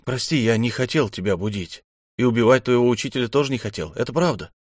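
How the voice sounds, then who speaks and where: A man voicing a young male alien cyborg who speaks in halting, apologetic sentences. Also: medium pitch, lively intonation, no room sound, studio quality, close to an everyday voice. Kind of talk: audiobook character voice.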